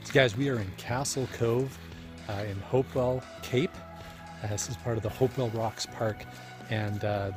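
A man in his forties hosting a geocaching travel vlog, talking in an upbeat, playful tour-guide way. He films himself outdoors with a camera held at arm's length. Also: medium pitch. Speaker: geocaching vlogger host. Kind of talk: travel vlog with voice-over narration. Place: outdoors at seaside and trails. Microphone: handheld camera at arm's length.

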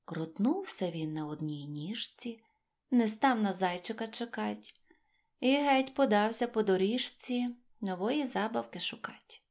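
Relaxed woman reading a children's verse tale. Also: mid-range voice, measured pace. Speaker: storyteller. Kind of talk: expressive children's verse narration. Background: faint music.

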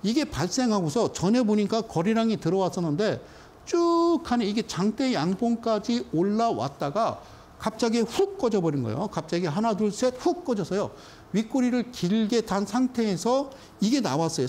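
Middle-aged guy teaching stock charts, high lively voice, keeps asking right?, mellow tone. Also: brisk. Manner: emphatic, keeps checking in with the audience. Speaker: stock market lecturer. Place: studio.

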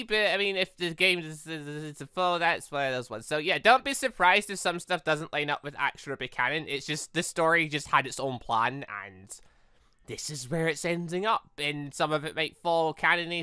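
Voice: medium pitch, sharp tone, smooth, dry recording, clean studio sound. A let's-play host giving casual, rambling commentary on a visual novel, thinking aloud and correcting themselves along the way.

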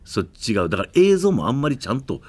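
Male radio host, Kansai accent, very animated swooping pitch, grumbling asides, casual banter. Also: fast talker. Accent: Kansai Japanese. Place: radio studio.

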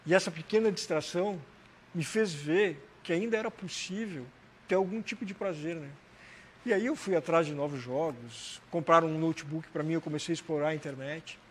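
A man in his forties speaks with a southern Brazilian accent and a slightly high voice. He tells his story like an interview guest, tagging phrases conversationally. Some noise sits behind him in the studio. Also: a little fast. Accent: southern Brazilian, Santa Catarina. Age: 40s. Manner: conversational, frequent "né" and "cara" tags. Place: TV studio, indoors. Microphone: lapel mic.

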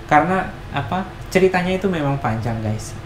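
A man's voice: fairly high pitch, animated, fairly quick. A young man hosting a casual vlog chat and asking questions. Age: young adult. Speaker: vlog host. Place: small home kitchen, indoors. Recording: echoey kitchen, noticeable background noise.

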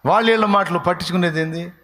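A man preaching a sermon in a voice. His voice sits fairly high and he jumps between loud, emphatic questions and quieter, mimicked voices of gossiping people. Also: fast, slight background noise. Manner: acts out crowd voices in shifting pitch and volume. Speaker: pastor.

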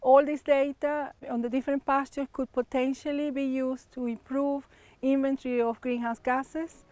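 A woman researcher explaining measurements outdoors in a pasture, steady with small hesitations. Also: high voice, moderate pace, no room sound. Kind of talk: on-camera explanation. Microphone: lapel mic. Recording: faint music underneath.

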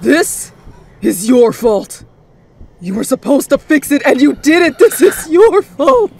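A woman's voice: sits high, very animated, takes it slowly, creaky, a little mellow, raised voice, voice pushed up, full character voice. A woman acting an enraged, wailing father, wildly swooping. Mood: furious, anguished. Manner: wailing, accusing, voice breaking. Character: anguished, enraged father turning on his family.

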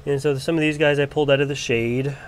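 Filming handheld in a brightly lit indoor grow area, a grower recovering from a cold talks off-camera as he shows his plant collection in a casual walk-through. He's a fast talker with a medium pitch and fairly even intonation, loose and chatty with plenty of ums and restarts.

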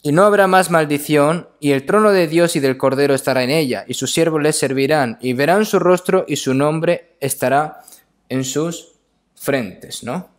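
A man delivering a sermon with scripture readings, speaking haltingly, repeating phrases and often adding short questioning tags. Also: on the high side.

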